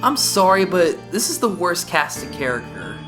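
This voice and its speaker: A woman's voice: lowish voice, very animated, moderate pace, poor audio. A woman giving casual, sarcastic reaction commentary as a video game reviewer, often exclamatory. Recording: voice-over with faint game music.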